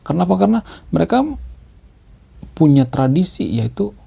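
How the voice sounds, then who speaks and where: A man's voice: a little high, big pitch swings, normal speed, vocal fry, dark tone, breathy edge. A man giving a leisurely monologue commentary, explaining his views and tagging his phrases with a questioning "ya", often repeating key words. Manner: explanatory, ends phrases with a tag "ya".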